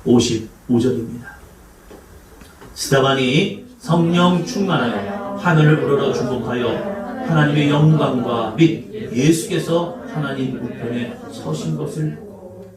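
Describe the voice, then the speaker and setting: A man's voice: mid-range voice, unhurried, crowd noise. A male pastor preaching a sermon, who quizzes the congregation and acts out cries and sighs in the voices he quotes. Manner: asks the congregation questions. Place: church sanctuary. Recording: echoey church hall, mic some distance off.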